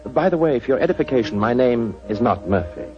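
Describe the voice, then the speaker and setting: A man's voice: medium pitch, sing-song, fast talker, music in the background, close to an everyday voice. An actor playing a suave, mocking male master criminal in a 1940s radio drama, with silky, polite menace. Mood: smooth mocking. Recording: dull old radio recording.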